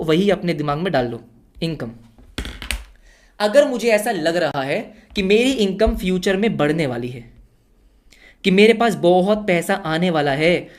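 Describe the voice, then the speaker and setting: An energetic male teacher giving an online lecture. He keeps firing rhetorical yes-or-no questions at the class and mixes English terms into everyday speech. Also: sits high.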